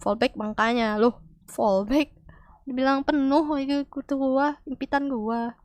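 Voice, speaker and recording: A woman game streamer with a cold and a slightly nasal, stuffy voice, chatting casually and calling out to teammates with loud exclamations and swearing. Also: sits high, steady tone, a little slow, no echo. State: has a cold. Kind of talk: casual gaming stream chat.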